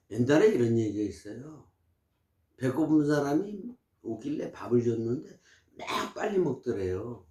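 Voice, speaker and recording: A man's voice: medium pitch, darkish tone. A man in his sixties giving health advice in casual, emphatic, preachy talk to camera. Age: 60s. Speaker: vlogger. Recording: roomy echo.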